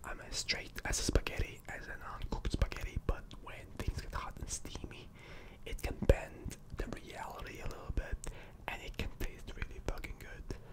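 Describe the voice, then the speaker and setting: A soft-spoken voice goes at a moderate pace against loud background noise. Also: man. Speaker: streamer. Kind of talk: casual stream chat. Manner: soft, close-mic ASMR speech. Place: home room. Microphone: studio mic.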